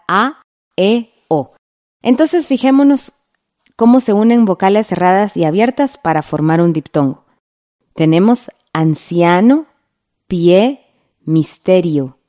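A woman teaching a radio class, reading a scripted lesson in a slow, patient way and drawing out the example words. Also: medium pitch, mellow.

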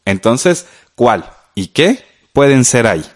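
Male radio teacher, low and very animated, patient explainer. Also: unhurried. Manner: patient, explanatory, addresses the listener directly. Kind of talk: scripted radio lesson.

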